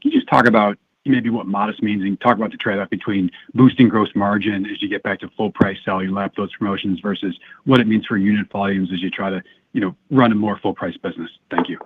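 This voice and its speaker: A husky-voiced man, an analyst, asks a polite, direct question at a fast clip. His voice is low-pitched. The sound is thin and tinny, like a phone line. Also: steady tone.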